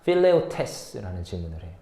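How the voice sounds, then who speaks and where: A man's voice: fairly low pitch, big pitch swings, fast talker, mellow, roomy sound. A man, a junior pastor, preaching a sermon in a conversational way and often asking his listeners questions.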